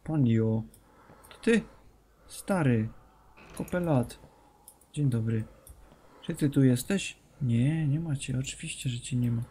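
Slow-talking man joking through a horror game. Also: medium pitch, warm tone, slightly rough. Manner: jokey, mixes English phrases, talks to game characters. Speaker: gaming streamer. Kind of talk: horror game let's play commentary.

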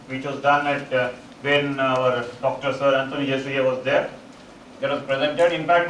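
A middle-aged man with an Indian English accent gives a halting conference talk as a psychologist, full of uh fillers and restarts, on a large auditorium stage. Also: fairly high pitch, a bit bright. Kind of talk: conference presentation. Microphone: distant room mic, speaker standing on stage. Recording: echoey auditorium, far from mic, noisy.

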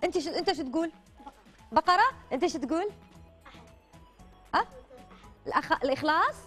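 Kids' show hostess, female, Gulf Arabic accent, very animated, high voice, repeats short prompts. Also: fairly quick, soft background music. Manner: prompts children with repeated short questions and phrases. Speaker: children's TV show host. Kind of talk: children's quiz show presenting. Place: colourful indoor TV studio children's set.

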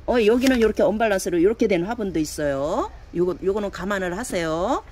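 Showing off her handmade plant pots online, this seller measures each piece and chats her way toward getting viewers to buy, leaning heavily on pointing words. She speaks in a mid-range, dark voice with lively intonation and a quick pace. A slight hiss or hum sits in the background.

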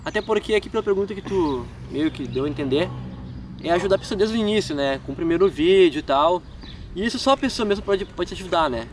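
Fast-talking and lively, a young Brazilian from Rio Grande do Sul with a southern gaúcho accent runs through fan questions in his park vlog in a high voice. This gaming YouTuber keeps it chatty, full of filler tags and laughing at his own expense. The recording comes from a camera mic a few feet away outdoors in a wooded park, with surrounding noise.

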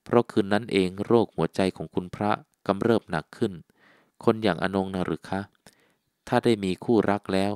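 A man reading the lines of an earnest, devoted young woman in an audiobook, speaking softly and sweetly. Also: deep voice, moderate pace, no room sound, studio quality. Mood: tender. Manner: soft, gentle and sweet.

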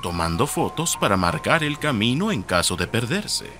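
A man's voice: mid-range voice, big pitch swings, moderate pace, over music. A man with a Latin American Spanish accent narrating a scripted horror story.

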